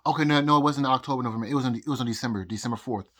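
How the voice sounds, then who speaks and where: A man telling a rambling personal story to his phone, halting and repeating words, pausing often, with nervous laughs. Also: mid-range voice. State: out of breath. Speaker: vlogger. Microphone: phone recording.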